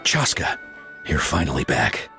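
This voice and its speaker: A man acting a grave, steady tribal advisor in a fantasy video game, with a formal and serious manner. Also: very deep voice, measured pace, exaggerated voice. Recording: game music clearly behind. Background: game music.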